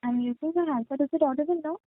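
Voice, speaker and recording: A woman's voice: high-pitched, dry recording. Faint woman caller over the phone. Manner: hesitant, many filler pauses. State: voice faint and feeble on the line. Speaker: caller asking questions on an earnings call. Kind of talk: formal question on a conference call. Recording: tinny dry phone line.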